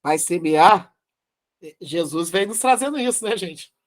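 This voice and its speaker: Speaking at a measured pace in a lowish, animated voice, this Brazilian-accented woman presents a Spiritist devotional study. She stresses her points, circles back to key phrases, and asks rhetorical questions.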